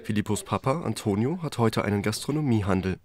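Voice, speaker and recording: A man reading a calm, scripted news report narration. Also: lowish voice, fast. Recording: voice-over over music.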